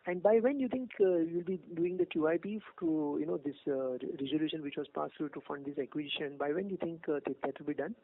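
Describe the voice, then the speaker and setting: A man's voice: on the high side, quick pace, hardly any pauses. A man with an Indian accent questioning as an analyst on an earnings call, insistent and probing in loosely phrased speech. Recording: tinny phone line.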